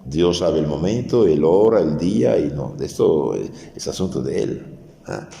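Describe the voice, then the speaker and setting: A man's voice: extremely low pitch, sing-song, measured pace, creaky, dark tone, slight background noise. A man, a priest, giving an earnest, explanatory sermon with restarts. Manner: earnest, explanatory preaching with restarts and dramatized Gospel quotes. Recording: echoey, reverberant hall.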